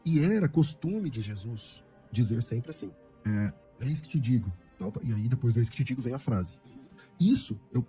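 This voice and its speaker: A man's voice: medium pitch, expressive, moderate pace, mellow, soft background music. A Brazilian man, a pastor, arguing a point of scripture in a radio debate, emphatic and repeating himself as he builds his case. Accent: Brazilian Portuguese.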